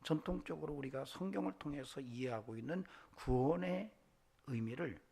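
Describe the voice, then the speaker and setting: Gravelly-voiced Korean pastor preaching. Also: male voice, normal speed. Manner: builds from hushed, low asides to loud, high-pitched exhortation. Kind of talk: Sunday sermon. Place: church sanctuary.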